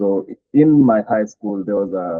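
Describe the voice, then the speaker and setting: A man with a strong Kenyan accent, fairly low in pitch, at a fairly slow pace. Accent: thick Kenyan. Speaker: pastor and leadership coach. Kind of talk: interview. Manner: halting, many fillers.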